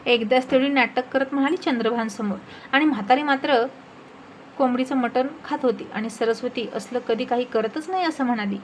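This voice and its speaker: A woman's voice: a little high, a little fast, a little hiss or hum, low-quality recording. A woman narrating a serialized moral story in a dramatic, emotional way.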